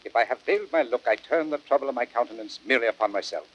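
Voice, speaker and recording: A man playing a thoughtful, troubled Roman statesman in vintage radio Shakespeare, speaking gravely and formally with a husky voice. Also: mid-range voice, animated, very fast, close to an everyday voice. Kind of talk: 1930s radio Shakespeare acting. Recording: dull, band-limited vintage radio recording.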